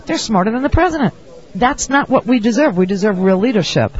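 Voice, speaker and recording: A radio talk show host talking casually and rambling, with many restarts. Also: male voice, sits high, a crowd in the background. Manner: quick, animated, rambling with restarts. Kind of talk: casual phone conversation at a convention. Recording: dull lo-fi radio audio.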